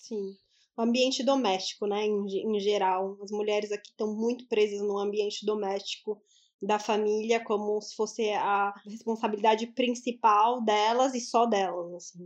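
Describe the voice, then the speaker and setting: A woman speaks in a flat, monotone way at a moderate pace. Her loudness rises and falls sharply. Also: fairly high pitch for a woman. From Brazil, São Paulo city. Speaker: podcaster. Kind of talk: casual chat.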